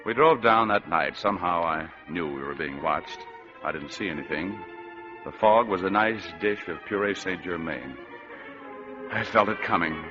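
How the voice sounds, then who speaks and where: An actor playing a wisecracking, weary private detective who narrates, in 1940s radio style. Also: male voice, deep voice, expressive, normal speed, over music. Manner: dry, sardonic wisecracks. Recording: dull old radio recording.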